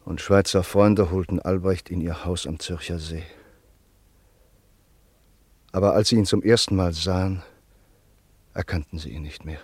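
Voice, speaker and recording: An actor narrating a radio drama as a solemn, measured male storyteller. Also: low voice, steady tone, darkish tone, husky, no echo, heavily acted.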